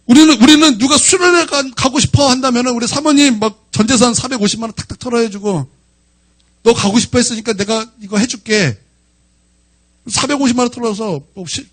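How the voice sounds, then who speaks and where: A man in his forties, a pastor preaching a sermon, telling personal stories with emotional swings between loud outbursts and quiet asides. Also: extremely high pitch, expressive, quick pace.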